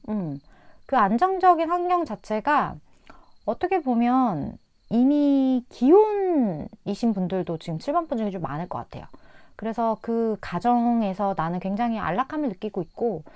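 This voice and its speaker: A woman reads tarot cards for her viewers in a soft, musing manner, humming and trailing off as she thinks aloud. Her pitch rises and falls in a lively way. The recording is close and dry, with no room sound. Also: no room sound. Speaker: tarot reader. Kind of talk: casual tarot reading to viewers.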